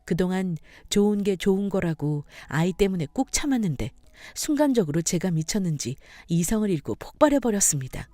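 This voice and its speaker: A woman's voice: mid-range voice, expressive, brisk, warm tone, dry recording, faint music behind. A woman in her thirties narrating a dramatic first-person story, speaking heatedly and emotionally. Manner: heated, emotional confrontational telling.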